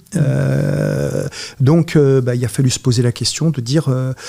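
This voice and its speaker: A man is talking, and noticeable noise fills the background. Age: 60s. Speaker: park founder and former school principal. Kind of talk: radio interview. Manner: halting, many fillers.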